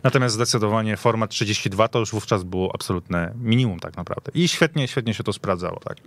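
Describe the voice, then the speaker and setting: A man's voice: lowish voice, fast talker. A man giving casual, analytical football commentary as a guest in a radio studio.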